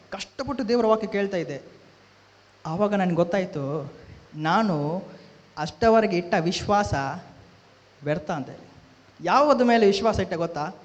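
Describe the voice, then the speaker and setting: A man giving an emotional personal testimony in a church hall, talking fervently, repeating himself and asking the listeners rhetorical questions. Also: high voice. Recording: echoey hall, dull lo-fi sound.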